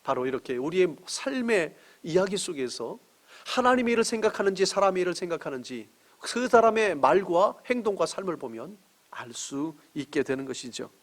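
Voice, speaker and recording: A middle-aged man preaching a sermon as pastor, earnest, asking rhetorical questions and swinging between emphatic rises and soft drops. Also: sits high, very animated, moderate pace.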